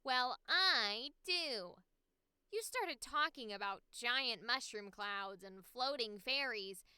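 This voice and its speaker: Woman doing a snarky kid girl, high bright voice, takes her time, fed up and scolding. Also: dry recording, heavily acted. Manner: sarcastic, exasperated. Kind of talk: voice acting audition read.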